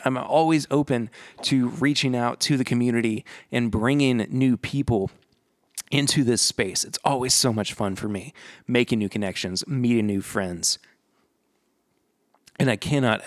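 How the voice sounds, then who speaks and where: A man's voice: mid-range voice, no echo, studio quality. A man hosting a podcast, wrapping up the episode in a chatty, upbeat way and often restarting his words. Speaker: podcast host. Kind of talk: casual podcast outro.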